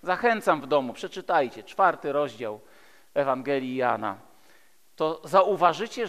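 High-pitched, forceful man preaching. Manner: emphatic, rhetorical, with repeated phrases and dramatic swings between loud and hushed. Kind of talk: sermon. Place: large church hall, speaking from a pulpit. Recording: echoey hall with long reverb.

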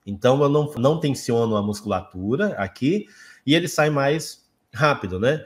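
Brazilian male English teacher, casual explainer, middle pitch. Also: lively intonation. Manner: explanatory, repeats example words slowly. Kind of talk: casual video lesson.

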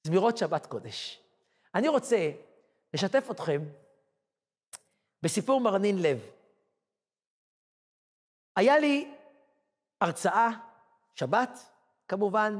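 High-voiced rabbi telling a dramatic story. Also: male voice. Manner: dramatic storyteller, short punchy phrases. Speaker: rabbi and lecturer. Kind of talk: storytelling sermon. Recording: long hall reverb.

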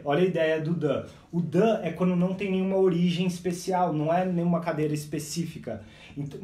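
An energetic man with a slightly high voice teaches a live English lesson, talking to his viewers as "guys". He sounds set back from the microphone, and the sound echoes in a big indoor space. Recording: echoey, speaker far from the mic.

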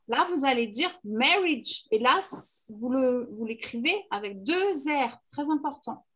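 High-voiced teacher drilling vocabulary. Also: female voice, expressive, a little slow, fairly bright tone. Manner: clear, patient drilling of vocabulary. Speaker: English teacher. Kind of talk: online class lesson.

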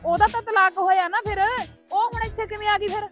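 A woman's voice: extremely high pitch, fairly even intonation, fast, a bit bright, faint music behind. A woman playing a defiant villager who demands her house and makes threats to an official. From Punjab.

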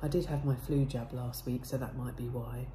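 A woman in her forties with a bunged-up nose, chatting casually and warmly into her phone camera at home and in her car. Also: rumbling low, steady tone, normal speed, slight background noise. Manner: chatty, chirpy and warm. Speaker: vlogger. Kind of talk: casual daily vlog chat. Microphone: phone camera at arm's length.

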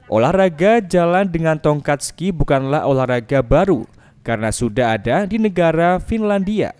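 Clear-voiced man reading news. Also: a little high, a little mellow. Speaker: news reporter. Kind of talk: scripted news narration.

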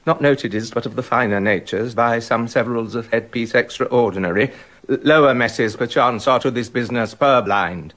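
A man's voice: mid-range voice, normal speed, a bit bright, no room sound, close to an everyday voice. An actor playing a jealous, brooding king in a radio drama, muttering bitter asides and building to angry accusation. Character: jealous brooding king, middle-aged man.

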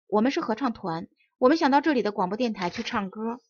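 A woman's voice: a little high, expressive, quick pace, a little mellow, a little hiss or hum, close to an everyday voice. A woman reading as a brave black mouse who speaks for a small choir, confidently and fluently. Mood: earnest. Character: bold little black mouse, leader of a choir. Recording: dull dry audiobook recording.

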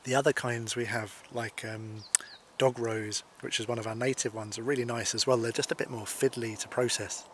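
Calm, flat-voiced man teaching foraging outdoors. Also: mid-range voice. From Scotland. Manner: calm, explanatory, unhurried. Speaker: foraging instructor. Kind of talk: outdoor foraging walk-through to camera. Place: outdoors by hedges and a field. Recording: faint outdoor noise.

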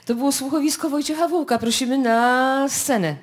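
A woman's voice: high-pitched, normal speed. A woman hosting live radio on stage, announcing to an audience in a chatty, ad-libbing manner. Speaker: radio host. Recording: live radio stage with music and loud crowd. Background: music and audience noise.

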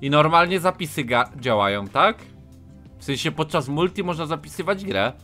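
A man streaming a truck game, yelling and swearing at other players, switching into broken English taunts. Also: on the high side, lively intonation, moderate pace, faint music behind. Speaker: gaming streamer. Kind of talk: loud, profane live gameplay commentary.

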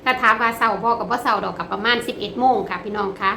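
A woman's voice: fairly high pitch, fairly even intonation, rapid-fire, vocal fry. Chatty Isan-accented woman vlogger. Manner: chatty, addresses viewers as family, laughs often. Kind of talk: casual vlog narration. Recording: roomy with faint background noise.

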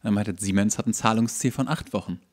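A man's voice: on the low side, brisk. A man co-hosting a podcast in casual conversation, agreeable and often affirming his partner. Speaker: podcast co-host.

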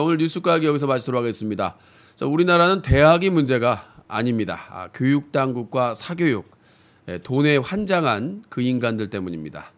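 A man in his thirties with a sore throat, hosting a satirical live stream in a blunt, filler-heavy rant. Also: medium pitch. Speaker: streaming news-comedy host. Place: small room with fish tank, indoors. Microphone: desk mic on stand, webcam framing.

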